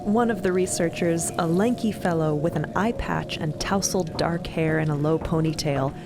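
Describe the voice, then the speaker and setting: A woman's voice: deep voice, normal speed, background noise. A woman narrating a scripted fiction podcast in a conversational, storytelling style.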